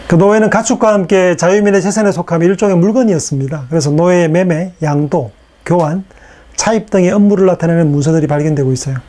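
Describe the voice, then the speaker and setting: A man giving a recorded lecture in a casual, unhurried way, with fillers and rhetorical questions, his voice strained from hours of recording. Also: fairly high pitch, warm tone.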